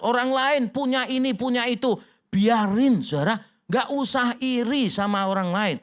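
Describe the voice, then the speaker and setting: A man preaching as a church pastor, joking and acting out little dialogues in voices. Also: high voice. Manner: humorous, acts out quoted dialogue in voices. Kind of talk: sermon.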